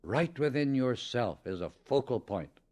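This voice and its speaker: A man narrating a scripted spiritual audiobook in a measured, emphatic, instructional manner. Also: medium pitch, lively intonation, darkish tone.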